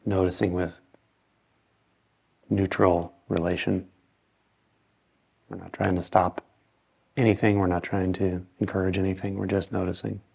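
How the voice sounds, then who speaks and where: A man leading a guided meditation, speaking calmly in short phrases with long pauses. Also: sits low, creaky, breathy edge.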